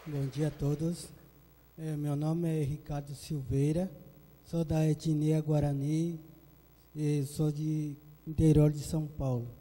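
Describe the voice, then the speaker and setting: A man student briefly introducing himself at a welcome event, speaking in a slow, measured way. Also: fairly high pitch, level tone, mellow. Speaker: incoming student. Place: large auditorium. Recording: hall reverb, faint noise.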